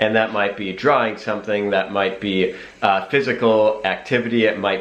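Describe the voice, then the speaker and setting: A man speaks at a fairly low pitch with fairly even intonation, with audible room echo and noticeable background noise. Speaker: vlogger and English teacher. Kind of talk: vlog Q&A advice. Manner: casual, conversational.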